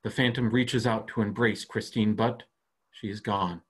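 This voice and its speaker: A man reading stage directions as scripted narration, measured and plain, for a staged reading. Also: on the low side, steady tone, husky.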